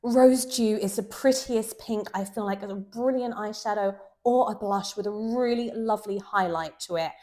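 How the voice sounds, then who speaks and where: A woman's voice: mid-range voice, moderate pace, few pauses, dark tone. A woman with a nasal, stuffy voice from a cold, chatting enthusiastically through a casual makeup review. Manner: chatty, enthusiastic, gushing about products. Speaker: beauty vlogger. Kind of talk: casual product review walkthrough.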